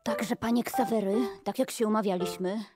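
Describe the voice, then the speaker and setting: A woman's voice: mid-range voice, fairly even intonation, normal speed, natural voice. Woman playing crafty male trader, smug, bargaining tone, radio play, music behind. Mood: conniving. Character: scheming, smug male cold-store guard and trader. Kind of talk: improvised children's radio play.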